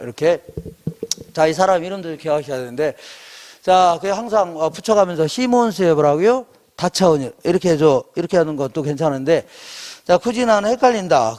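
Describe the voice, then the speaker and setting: High-voiced male professor quizzing students. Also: darkish tone. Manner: call-and-response quizzing, asks and answers himself; jokey memory tricks, mimics a regional drawl. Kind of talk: exam-prep lecture.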